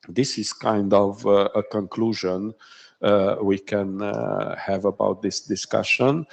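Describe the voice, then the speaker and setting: A man moderating a conference session, speaking hesitantly with many pauses. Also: on the low side, gravelly, low-quality recording. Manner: hesitant, lots of pauses and fillers. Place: conference hall.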